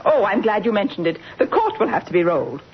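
An actress playing a nagging, imperious middle-aged British wife in an old-time radio drama. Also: female voice, medium pitch, big pitch swings, fast, slightly rough. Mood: brisk, impatient. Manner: imperious, scolding, curt orders. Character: bossy, nagging older battle-axe wife of a doctor. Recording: muffled old radio recording, faint music.

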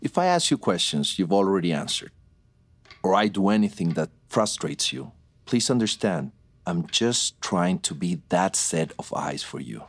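A middle-aged man playing a patient police detective, calm and reassuring. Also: low-pitched, normal speed, exaggerated voice.

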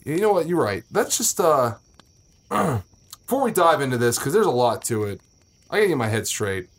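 A man's voice: mid-range voice, very animated, moderate pace. A man playing an obsessive, paranoid, hot-tempered amateur investigator in a conversational horror audio drama. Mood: sheepish. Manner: intense, conversational, profane. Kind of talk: naturalistic improvised audio drama. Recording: music under the voice.

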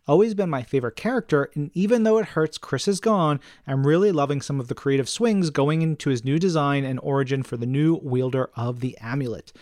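A man's voice: a little high, brisk, hardly any pauses, a little mellow, no room sound, studio quality. A man co-hosting a podcast, chatting informally and enthusiastically and reading out listener mail. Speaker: podcast co-host.

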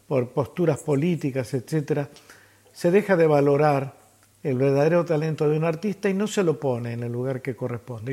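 Higher-voiced man introducing songs. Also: mellow. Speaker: host presenting songs in tribute. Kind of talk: reflective spoken introduction to music.

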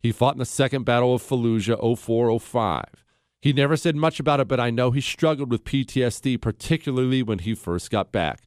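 A man hosting a talk radio show, speaking in an animated, sarcastic monologue with wide swings in pitch and a slightly congested voice. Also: fairly quick, smooth, no echo, clean studio sound. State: congested from allergies.

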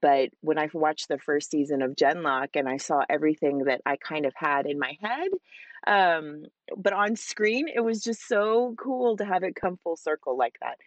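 Excited chatty woman, lowish voice, talking about her acting gig, super dry close sound. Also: normal speed, no echo, dull audio. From Hispanic family, father with Spanish accent. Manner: enthusiastic, animated, chatty with fillers. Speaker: voice actress guest. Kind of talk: casual interview answers.

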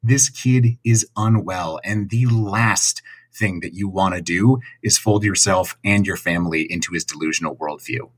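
Male caller, thirties, lowish raspy voice, emphatic casual voicemail delivery. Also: normal speed. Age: 30s. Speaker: listener calling in.

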